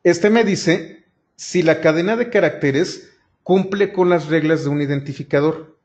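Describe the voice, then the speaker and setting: A male programming teacher, talking his class through a coding example one step at a time. His voice sits somewhat high, and the recording is muffled and lo-fi. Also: a little slow, darkish tone. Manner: explains step by step, addresses students directly. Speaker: programming instructor. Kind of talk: screen-recorded coding lesson. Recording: dull lo-fi sound.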